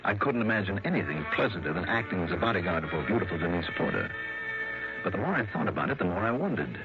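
A man's voice: low voice, very animated, fast talker. An actor playing a laconic male insurance investigator who narrates his own case in a 1960s radio drama. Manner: dry, laconic first-person narration. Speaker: narrator and lead. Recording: dull lo-fi old radio broadcast with music.

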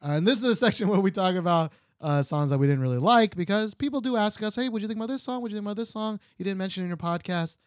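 A man co-hosting a podcast in casual chat, animated and jokey, laughing often. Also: high voice, very fast, few pauses, dry recording, studio quality. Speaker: podcast co-host. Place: Seoul, South Korea.

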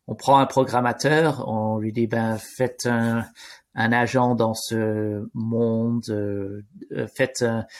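Male interview guest, non-native French with foreign accent, fry-laden voice, hesitant unscripted explainer who restarts and rephrases. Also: mid-range voice. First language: not French. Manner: halting, searching for words, repeating and rephrasing. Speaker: interview guest, AI risk expert.

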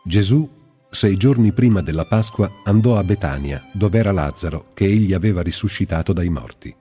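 A man reading the Bible aloud as scripted narration, in a slow and measured way. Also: deep voice, warm tone, breathy edge, faint music behind. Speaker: Bible reader. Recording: long hall reverb.

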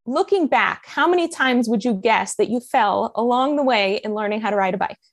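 A woman's voice: a little high, expressive, moderate pace, no echo, clean studio sound. A woman from Colombia who grew up in Miami, speaking with an American accent as a life coach guest, telling her story earnestly with many fillers. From Colombia, raised in Miami. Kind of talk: conversational interview.

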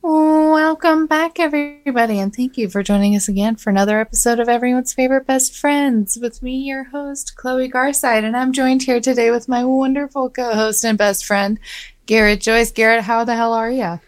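A young adult woman hosting a podcast, casual and joking, with a fairly monotone voice and vocal fry. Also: a little high, moderate pace. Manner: casual, joking, swears freely. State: tired. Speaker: podcast host.

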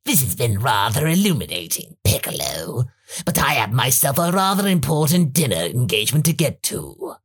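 A sly, husky insect-like android speaks slowly and silkily, his voice gravelly and low, as a man puts him on. His pitch dips and climbs with relish, and he comes from a fan-made storybook reading. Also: sing-song. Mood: scheming. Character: scheming insectoid male bio-android, cold and sly.

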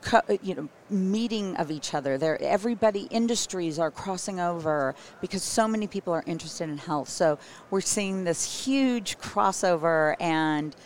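A woman's voice: lowish voice, lively intonation, normal speed, few pauses. A woman with a scratchy, worn voice, a summit producer chatting as an interview guest at a trade show, rambling with many ums and restarts. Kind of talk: casual interview chat.

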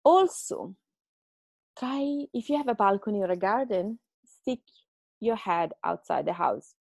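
A woman's voice: medium pitch, expressive, unhurried, gravelly, darkish tone, dry recording, clean studio sound. A woman from Italy with an Italian accent, giving chatty, self-mocking encouragement as a podcast host at home. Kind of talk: casual advice monologue.

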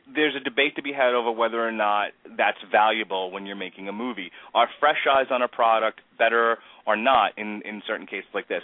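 A man's voice: mid-range voice, dry recording, narrow, tinny audio. Man hosting a podcast over a thin line. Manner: talkative, opinionated, steers the talk. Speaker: podcast host. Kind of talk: podcast discussion.

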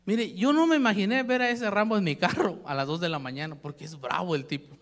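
A fairly high-pitched man. He is animated and playful, and keeps joking with the congregation and asking it questions. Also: fast talker. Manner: animated, jokey, addresses the congregation directly. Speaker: pastor. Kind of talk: sermon.

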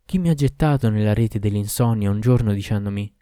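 A man's voice: on the low side, brisk, warm tone, clear, resonant tone, dry recording, studio quality, close to an everyday voice. A man voicing a grieving betrayed wife. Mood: pleading. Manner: plaintive declaiming verse.

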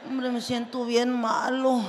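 A woman's voice: fairly high pitch, monotone, in a large hall, background noise. Woman mimicking a whiny, feeble husband. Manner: slow, drawn-out, whiny. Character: weak, self-pitying husband just after fainting.

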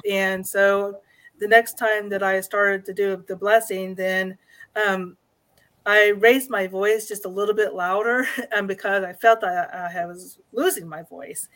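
Brief: woman, guest paranormal investigator, halting casual chat with many fillers. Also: mid-range voice, steady tone, fairly bright tone. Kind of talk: casual podcast conversation.

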